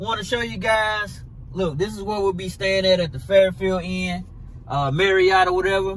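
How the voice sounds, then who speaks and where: A man speaks with a dry sound that has no echo. Light background noise can be heard. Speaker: vlogger driving. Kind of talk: casual vlog chat. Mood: relaxed, upbeat. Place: car.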